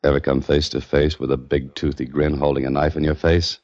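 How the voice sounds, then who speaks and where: Deep, dry-witted 1940s detective narrating, lo-fi radio sound. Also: male voice, level tone, brisk, darkish tone. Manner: dry, wry, hard-boiled narration. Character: wisecracking male detective narrator. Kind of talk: 1940s radio drama acting. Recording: dull lo-fi old radio with faint music.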